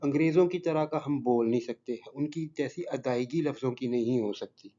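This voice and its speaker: Pakistani teacher guy, soft mellow voice, earnest and humble, kinda muffled lo-fi audio. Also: mid-range voice. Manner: earnest, modest, advising. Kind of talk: lesson closing remarks to students. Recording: slightly muffled lo-fi recording.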